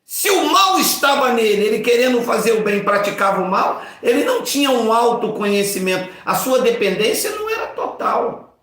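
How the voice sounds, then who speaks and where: Man, 50s, pastor; animated informal sermon, acts out bits; very echoey room. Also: very high voice, moderate pace. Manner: animated, acts out voices and jokes.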